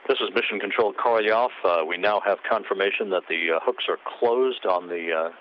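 Halting man on a muffled mission-control radio feed. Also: sits low. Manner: halting, many fillers between phrases. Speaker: mission commentator. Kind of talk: live spaceflight commentary. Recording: dull lo-fi broadcast with faint hiss.

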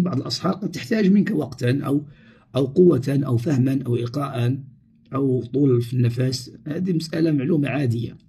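A man's voice: mid-range voice, creaky, warm tone, slightly rough. A man with a Moroccan Arabic accent, answering viewers' questions on a live stream and reading them aloud with frequent pious phrases.

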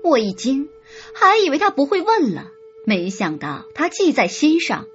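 Woman reading a romance novel aloud, high voice, very lively, kinda muffled, soft music behind. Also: normal speed. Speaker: audiobook narrator. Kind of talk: first-person romance novel narration. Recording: slightly dull audio with soft music.

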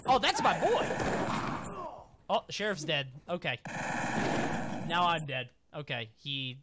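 A young man streaming a game with casual, playful commentary. His voice is a little high and very animated, with short repeated phrases and clear noise from the game behind it. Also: a little slow. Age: 20s. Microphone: boom mic close by, with headset.

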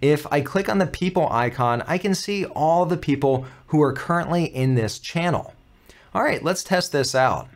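A man in his thirties with an American accent, hosting a step-by-step software tutorial in an upbeat, clearly articulated, instructional way. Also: fairly high pitch, expressive, normal speed. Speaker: tutorial host.

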